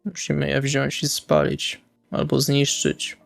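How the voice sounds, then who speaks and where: A man playing a brooding, fatalistic male vampire in a role-playing audio drama, with a resigned, deliberate way of talking. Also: mid-range voice, completely flat delivery, gravelly, no room sound, faint music behind. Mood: matter-of-fact. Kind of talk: in-character role-play dialogue.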